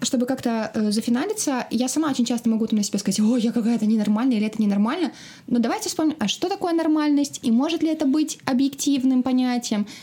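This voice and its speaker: A woman talks at a very fast pace with a high pitch and lively intonation. Her loudness stays very even. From Belarus, Minsk. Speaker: podcast co-host. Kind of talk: casual chat.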